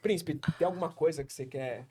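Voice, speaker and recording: A man's voice: on the high side, fast, crowd noise. A man hosting a podcast, asking questions in casual chat and teasing his guests. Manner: playful, teasing, joking with guests. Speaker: podcast host.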